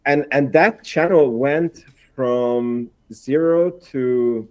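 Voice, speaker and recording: Mellow-voiced man from Hungary, chatty. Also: mid-range voice, drawn-out words. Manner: chatty, repeats words, slightly non-native phrasing. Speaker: guest, investor and YouTuber. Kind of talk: casual podcast conversation.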